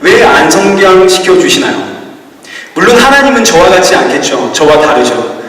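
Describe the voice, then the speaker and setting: A middle-aged male pastor delivers a sermon in a high voice, telling a personal story in a frank, confessional way. He sounds distant from the mic. A long reverb fills the church hall. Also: very animated, normal speed, fairly bright tone, slight background noise. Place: church sanctuary.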